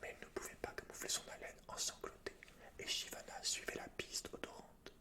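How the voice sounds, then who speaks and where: A man reading game lore in a soft, hushed, breathy whisper, as the host of an ASMR gaming video. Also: fairly quick.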